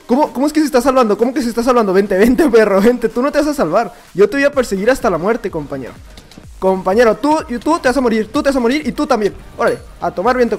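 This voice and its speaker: A young man with a Mexican accent commenting on his own gameplay, excitable and prone to shouts and laughter, muttering to himself between bursts. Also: sits high. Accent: Mexican Spanish. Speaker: gaming YouTuber. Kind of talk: live Minecraft gameplay commentary.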